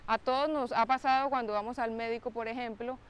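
Woman explaining, slightly high voice. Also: fairly even intonation, brisk. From Colombia. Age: young adult. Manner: clear, explanatory, fillers "eh". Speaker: biomedical engineer. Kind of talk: to-camera interview. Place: outdoors by a lake with trees. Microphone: close mic, framed head-on.

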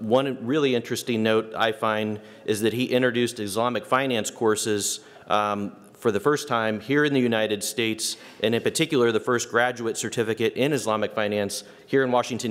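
A man chairing a conference session, politely introducing the next speaker. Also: fairly low pitch. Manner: polite, fluent, brief fillers. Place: large conference hall. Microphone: podium microphone. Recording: long hall reverb.

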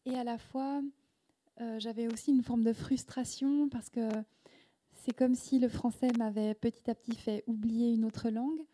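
A woman in her thirties, Korean as her first language, speaks into a handheld microphone at a live event. Her voice sits a little high yet sounds deeply mellow and warm. She talks thoughtfully, pausing and restarting as she searches for words. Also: fairly even intonation. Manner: thoughtful, halting, with many restarts and fillers. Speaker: guest author. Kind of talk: reflective interview answers. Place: indoor event room with audience.

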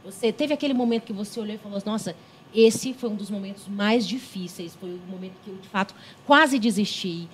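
A woman's voice: medium pitch, a little fast, slight background noise. A woman co-hosting a TV talk show, asking a guest earnest questions in a studio. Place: TV studio set.

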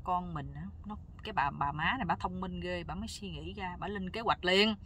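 A woman telling a comic folk tale in a casual, lively way, acting out the characters' lines. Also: fairly low pitch, a little fast, slight background noise. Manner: lively, playful, acts out every character's lines. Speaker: storyteller. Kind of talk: casual spoken folk joke storytelling.

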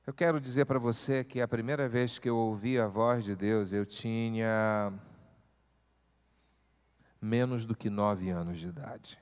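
A man, a pastor preaching a sermon with repeated rhetorical questions that build to loud exhortation. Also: on the low side, unhurried, clear, resonant tone. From Brazil. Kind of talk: church sermon. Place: church sanctuary. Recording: echoey church hall.

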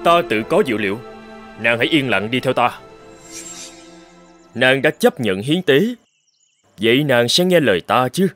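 A man playing a proud young tribal warrior posing as a god in an animated folktale, commanding and protective. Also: medium pitch, unhurried, pauses often, faint music behind. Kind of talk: dubbed animated folktale acting.

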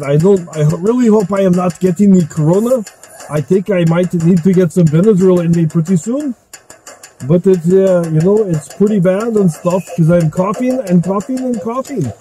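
A man vlogging from his vehicle while driving at night, talking in a slow, droning way and breaking into coughing fits. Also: high voice, mellow. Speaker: driver vlogging from the road. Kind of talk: comic rambling vlog with sung refrains.

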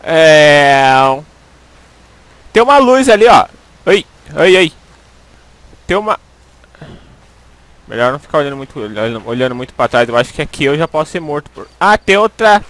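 A man's voice: on the high side, lively intonation, normal speed, long pauses, fairly bright tone, no echo. A young Brazilian man with a Brazilian Portuguese accent giving jumpy, swearing commentary as he plays a horror game into a headset. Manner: jumpy, swearing, panicky pleading. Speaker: gaming YouTuber.

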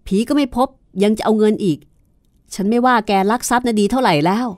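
A woman voicing a hot-tempered, impatient young man who shouts in exasperation. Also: fairly high pitch, quick pace, no echo, studio quality, soft background music, voice pushed up, natural voice. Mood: scornful.

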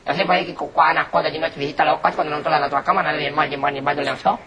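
A man voicing a rambling caretaker witness whose voice is disguised deeper, like a hidden TV witness. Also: fairly even intonation, lo-fi sound, crowd noise. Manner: rambling, rushed. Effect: disguised deep voice, hidden like a TV witness.

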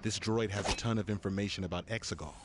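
An actor playing an earnest young rebel officer in a game, urgent and determined. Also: male voice, on the low side, fast, noisy background, lightly acted. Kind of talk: urgent game cutscene dialogue. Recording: music behind the voice.

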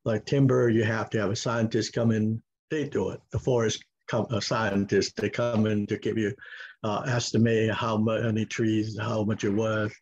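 A man in his fifties from Hong Kong with a Hong Kong accent, answering interview questions on a video call in halting English full of fillers and restarts. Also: fairly low pitch, little pitch movement, darkish tone, slightly rough. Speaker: farm owner, guest. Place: home room with log walls, indoors. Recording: muffled video call audio.

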